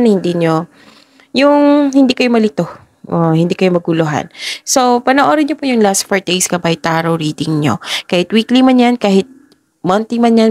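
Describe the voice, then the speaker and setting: A woman from the Philippines giving a casual tarot reading to camera, stuffy with a cold, talking in a chatty, halting way with frequent pauses. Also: medium pitch, a little mellow, no room sound. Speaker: tarot reader.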